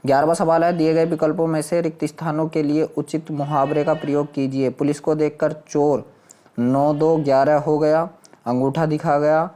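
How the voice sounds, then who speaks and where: A man's voice: a little high, flat delivery, normal speed, warm tone. A man teaching exam questions, reading them out and explaining answers step by step in a repetitive way with frequent check-in tags. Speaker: exam-prep Hindi teacher. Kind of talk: lesson, reading out and solving quiz questions.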